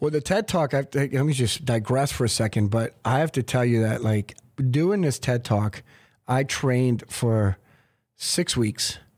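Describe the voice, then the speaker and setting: On a very clean recording with a silent background, a man uses a plain, everyday voice at a medium pitch and moderate pace, with ordinary pitch variation and very even loudness. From Peru, moved to US at nine. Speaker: media nonprofit founder. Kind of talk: interview. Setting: podcast studio.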